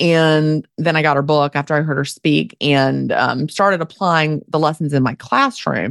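Very even loudness at a moderate pace, with a dry, close sound, no echo, and a quiet background. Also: woman, very deep, low pitch for a woman. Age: 50s. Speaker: author and intermittent fasting expert. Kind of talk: interview.

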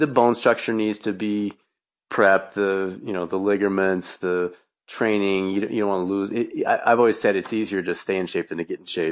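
An ordinary speaking voice goes at a fairly quick pace with fairly even intonation against a quiet background. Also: man, fairly low pitch for a man. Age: 50s. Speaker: podcast host and coaching client, runner. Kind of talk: coaching session; podcast monologue.

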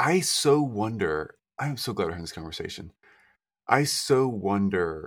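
At a moderate pace, a man uses an ordinary speaking voice with a fairly low pitch. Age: 40s. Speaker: business coach and podcaster. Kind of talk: interview.

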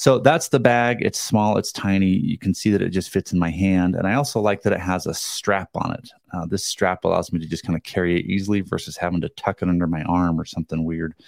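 In a very clean recording with a silent background and a dry, close sound with no echo, a man with a very deep, low pitch and ordinary pitch variation talks at a very fast pace with hardly any pauses. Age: 40s. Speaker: podcast host. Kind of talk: solo podcast monologue.

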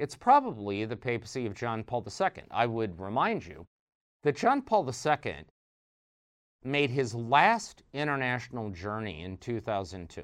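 Lively intonation and big swings in loudness from a man of medium pitch, at a moderate pace against a quiet background. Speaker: podcast host and journalism editor. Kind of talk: solo news commentary podcast. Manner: animated.

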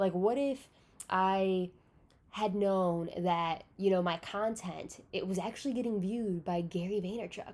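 A woman speaks in an unremarkable speaking voice. Her pace is fairly slow, with ordinary pitch variation. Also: medium pitch for a woman. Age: 20s. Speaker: podcast host. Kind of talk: solo monologue. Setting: at home on her bed. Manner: casual, filler-heavy.

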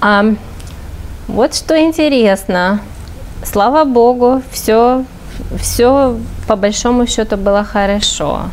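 A woman with a fairly high pitch speaks very slowly, with long, frequent pauses and very even loudness, over noticeable background noise. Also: ordinary pitch variation. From Russian Far East, Vladivostok. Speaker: guest sharing faith testimony. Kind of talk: testimony.

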